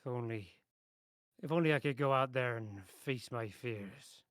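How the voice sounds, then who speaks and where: A man voicing a gruff old fisherman in a tabletop role-play, sentimental and haunted by his lost crew, talking in salty sailor phrases. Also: mid-range voice, moderate pace, dry recording, studio quality, close to an everyday voice. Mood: mournful, regretful. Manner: gruff old-sailor talk with matey and aye.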